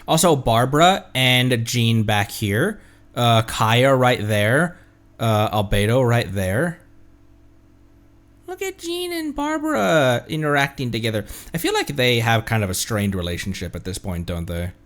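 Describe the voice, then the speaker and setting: A man streaming a game with casual, slangy, excitable reactions, often repeating his words. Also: medium pitch, a little slow. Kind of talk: casual live reaction commentary. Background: faint game music.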